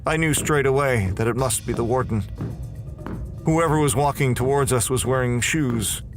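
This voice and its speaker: A man's voice: mid-range voice, normal speed, over music. A man performing scripted, dramatic first-person narration for a horror audio drama.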